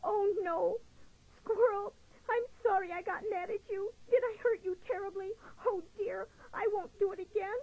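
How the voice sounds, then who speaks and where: A woman's voice: very high voice, expressive, unhurried, a little mellow, no room sound, pitched above the performer's own voice. A woman voicing a timid, worried young male turtle who stammers and frets tearfully. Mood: sobbing. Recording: dull lo-fi recording.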